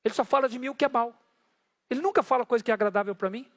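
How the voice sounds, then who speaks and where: A man's voice: extremely high pitch, very fast, a bit bright, big-room sound, voice pushed up. A man acting out a stubborn, self-pitying ancient king inside a sermon retelling, complaining and worried.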